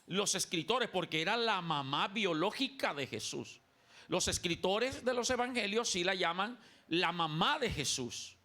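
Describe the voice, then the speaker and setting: A man's voice: sits high, animated, unhurried, sharp tone. A man from Colombia preaching a sermon as pastor in a church, emphatic and calling on the congregation to repeat after him. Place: church sanctuary.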